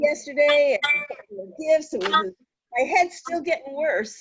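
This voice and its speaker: Her high-pitched voice swings very widely in pitch as this woman speaks at a moderate pace. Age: 70s. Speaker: call participant. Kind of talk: personal sharing on group call. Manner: halting.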